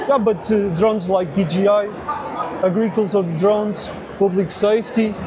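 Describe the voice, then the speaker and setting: With noticeable background noise but a dry sound with no echo, a man with a high pitch talks at a moderate pace with fairly even intonation. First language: Portuguese. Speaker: drone company representative. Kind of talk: trade show interview. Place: hall. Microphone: phone near.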